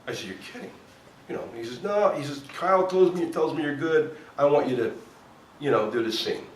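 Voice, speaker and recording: A man's voice: on the high side, fairly quick. A man who is a former cop turned actor, from New Jersey, telling stories in a casual chat and acting out what people said. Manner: animated storyteller acting out quotes. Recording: echoey room, voice a bit far from the mic, faint background noise.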